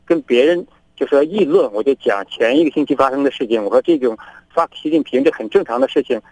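A middle-aged man from China, a guest on a remote link, telling events in a lively way and acting out both sides of each argument. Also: mid-range voice, fast, no room sound, rough recording. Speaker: interview guest, activist. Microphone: remote connection.

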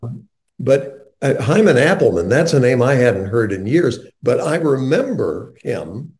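Earnest older male radio host, mellow tone. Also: mid-range voice, a little slow. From North Carolina, USA. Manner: earnest, animated storyteller.

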